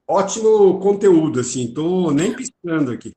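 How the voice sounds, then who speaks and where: A man's voice: a little high, expressive, moderate pace, dark tone, roomy sound. A man from Brazil, a student in an online class, thinking aloud hesitantly as he responds. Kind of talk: asking questions in an online class.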